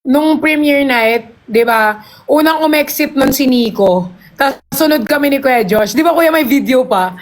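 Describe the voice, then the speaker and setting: A young woman chatting excitedly on a livestream, often shouting when gifts come in. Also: sits high, measured pace, slight background noise. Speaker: live-selling streamer. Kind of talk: casual livestream chat.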